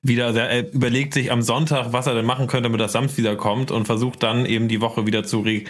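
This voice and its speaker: A man's voice: medium pitch, flat delivery, fast talker. A man from Germany, co-hosting a podcast in a dry, matter-of-fact way. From northern Germany. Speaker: podcast co-host. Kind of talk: casual podcast chat.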